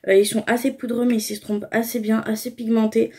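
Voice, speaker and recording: A woman's voice: fairly high pitch, flat delivery, quick pace, a little mellow, slightly rough. A young woman casually talking through her makeup routine, explaining each step with frequent fillers. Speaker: beauty vlogger.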